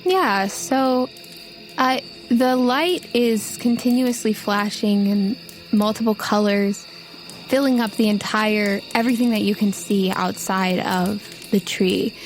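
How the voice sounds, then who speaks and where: Slow, measured woman narrating over music. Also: medium pitch. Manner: measured, with pauses between short phrases. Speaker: game master. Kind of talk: descriptive narration of a tabletop game. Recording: music playing under the voice.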